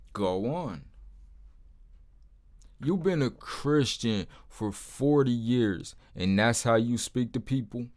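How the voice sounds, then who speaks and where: A man with a deep voice, hosting his own Christian channel, speaks to the camera in a blunt, informal way and often drops in "man.". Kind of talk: casual testimony to camera.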